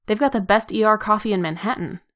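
A man's voice: high voice, quick pace, sharp tone. Woman voicing Hawkeye, an easygoing archer. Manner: easygoing, wry. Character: cheerful scruffy male superhero archer, laid-back. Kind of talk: fan fiction read aloud.

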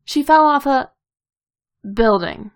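A woman's voice: sits high, lively intonation, slow, pitched above the performer's own voice. A woman voicing a cocky, drunk and bloodied woman brawler who slurs her words a little, in a fan fiction reading. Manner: slightly slurred, cocky. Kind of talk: fan fiction read aloud.

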